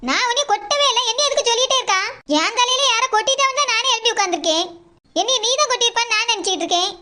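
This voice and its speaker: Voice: very high-pitched, very fast, bright, forceful tone. A performer voicing a grumbling, suspicious village woman in a cartoon, complaining and accusing in a southern Tamil Nadu accent. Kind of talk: Tamil cartoon character dialogue.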